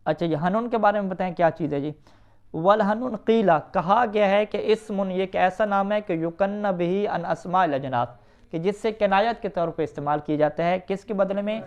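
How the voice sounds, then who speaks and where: High-voiced male grammar teacher. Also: a little mellow, smooth. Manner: asks students questions and answers them himself; reads Arabic quickly, then explains in Urdu. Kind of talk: classroom lesson reading and explaining an Arabic text. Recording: dull, lo-fi recording.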